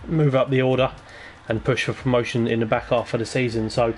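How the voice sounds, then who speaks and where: A man's voice: medium pitch, flat delivery, fairly quick, slight background noise. A man hosting an online racing stream, giving an upbeat, thankful wrap-up. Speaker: stream host. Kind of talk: stream sign-off.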